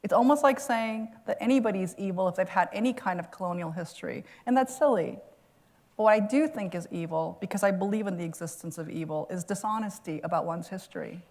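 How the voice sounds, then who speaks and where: A woman's voice: mid-range voice, a little fast, darkish tone. A woman author answering an audience question at a lecture, earnest and reflective, laughing now and then. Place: lecture hall.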